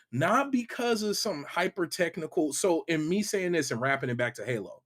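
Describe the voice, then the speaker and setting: A man chatting in animated, slangy podcast banter, excitable and often repeating his phrases. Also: mid-range voice. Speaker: gaming podcast panelist and reviewer. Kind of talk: animated casual panel banter. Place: remote call on a livestream.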